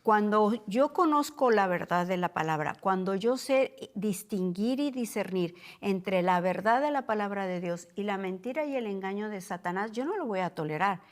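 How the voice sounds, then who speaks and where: A middle-aged woman co-teaching a Bible study, speaking deliberately and repeating key points for emphasis. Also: medium pitch, expressive.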